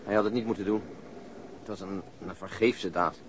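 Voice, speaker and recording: An actor playing a sober, reflective policeman in a radio drama, measured and fatalistic in his delivery. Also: on the low side, steady tone, noisy background, natural voice. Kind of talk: naturalistic radio drama acting.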